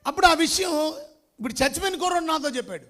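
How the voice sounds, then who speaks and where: Man, preacher, very high voice, bright, emphatic, quizzes listeners, mixes in English. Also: lively intonation, rapid-fire. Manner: emphatic, questioning the congregation. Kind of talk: Telugu sermon.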